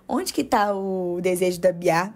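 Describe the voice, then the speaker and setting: A woman giving measured, explanatory commentary as a podcast co-host, often tagging her points with questions. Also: lowish voice, darkish tone.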